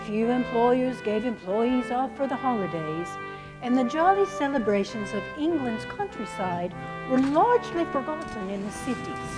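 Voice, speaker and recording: A woman giving a scripted introduction to a radio play in a measured storytelling manner. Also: a little high, poor audio. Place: stage in front of a live audience. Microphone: stage microphone. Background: brass music.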